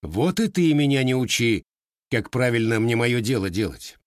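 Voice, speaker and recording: A proud, sharp-tongued young armorer, as a man reads him in a storybook. He speaks in a dry, curt way, a little above the narrator's pitch, recorded close and dry. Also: sing-song, moderate pace, dry recording, close to an everyday voice. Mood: mocking.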